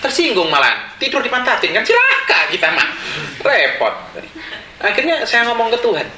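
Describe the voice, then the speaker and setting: Lively, bright-voiced male pastor preaching. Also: extremely high pitch, moderate pace, a little hiss or hum. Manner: animated, acts out quotes and laughs along. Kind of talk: storytelling sermon. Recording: echoey room with faint ambience.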